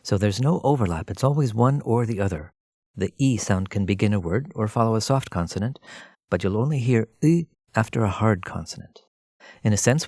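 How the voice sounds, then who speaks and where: A man narrating a scripted language lesson as a teacher, explaining in a measured way and addressing the listener directly. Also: on the low side, vocal fry, a little mellow, no room sound, clean studio sound.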